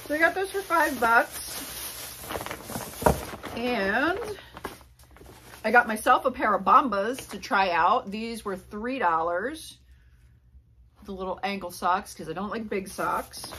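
Filmed by a tripod-mounted camera a few feet off, this Pennsylvania woman in her forties rambles through a casual haul chat about flea market finds, full of fillers and asides, in a small indoor room. Her mid-range voice sounds pushed and bright, moving slowly with frequent pauses. There's slight background noise. She's a reseller vlogger.

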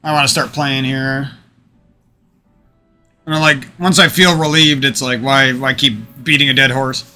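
A man's voice: medium pitch, fairly even intonation, a little slow, pauses often, bright, forceful tone, faint music behind. A man talking to his stream viewers into a desk microphone from a room at home, venting about past relationships in a rambling, profane way with many restarts. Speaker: gaming streamer.

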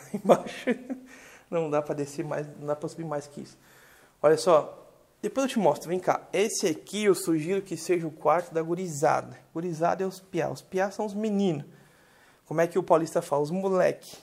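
A man's voice: fairly high pitch, darkish tone. A man, a real estate agent giving a chatty, enthusiastic house tour, speaking to the viewers from inside the home. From southern Brazil. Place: large furnished house, indoors.

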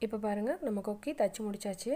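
A woman's voice: medium pitch, fairly even intonation, quick pace, mellow. A middle-aged woman, narrating a step-by-step sewing tutorial with plain, patient instructions. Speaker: craft channel host.

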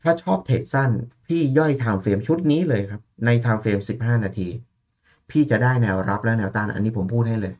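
A man's voice: on the low side, expressive, normal speed, darkish tone. Chatty man talking through trading charts. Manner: chatty, calls listeners "พี่" and "น้อง", thinks aloud. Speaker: gold market analyst. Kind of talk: casual chart analysis talk.

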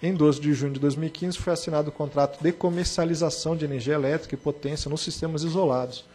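A Brazilian man, a board director, reading a formal case report in a measured way, with brief spoken asides. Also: a little high, fairly even intonation, mellow, slightly rough. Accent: Brazilian Portuguese.

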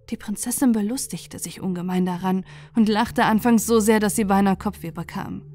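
A woman narrating a fairy tale for falling asleep, reading softly and gently. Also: medium pitch. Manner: soft, gentle, unhurried reading. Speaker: audiobook narrator. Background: faint music.

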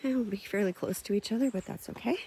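Woman, casual vlogger, chatty outdoor walkthrough, mid pitch, faint background hiss. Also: quick pace, warm tone. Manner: chatty, laughs easily, many fillers. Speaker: camping vlogger. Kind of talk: casual outdoor vlog narration. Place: outdoors at a lakeside forest campsite.

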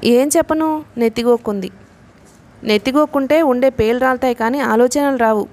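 A woman reading a novel aloud in a steady storytelling manner. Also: on the high side, brisk. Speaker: audiobook narrator.

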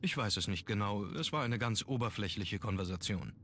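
An actor playing a grave, brooding young aristocratic heir in a video game, speaking in a measured way. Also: male voice, on the low side, expressive, fairly bright tone, a little hiss or hum. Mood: guarded. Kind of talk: German video game voice acting.

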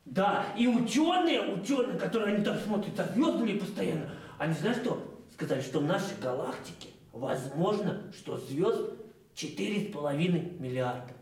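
An actor playing a cheerful know-it-all clown on a children's TV show, explaining eagerly with lots of fillers. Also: male voice, high-pitched, sing-song, moderate pace, a little mellow. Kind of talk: playful children's TV banter. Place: indoor TV studio set. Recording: roomy studio set, mic at a distance.

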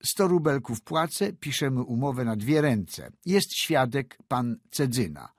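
A man's voice: medium pitch, sing-song, measured pace, no echo, studio quality, voice pushed up. A male narrator voicing a shrewd, ironic engineer who bargains coolly and mocks. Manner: cool, ironic, mocking.

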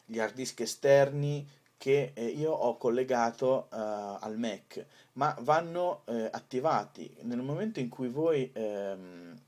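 A man presenting an informal software tutorial, improvising hesitantly with drawn-out pauses. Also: medium pitch, expressive.

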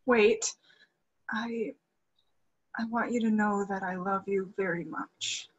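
A woman's voice: medium pitch, fairly even intonation, takes it slowly, husky, low-quality recording. A young woman acting a frightened, secretive opera singer in an emotional staged reading. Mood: scared, tender. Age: young adult. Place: room at home. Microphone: computer mic on video call.

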